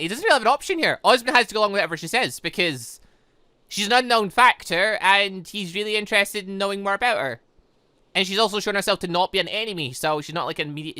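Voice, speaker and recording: A man giving casual, excitable, rambling commentary on a game, thinking aloud as he goes. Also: fairly high pitch, dry recording. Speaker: gaming channel host. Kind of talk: casual gameplay commentary, reading visual novel dialogue aloud.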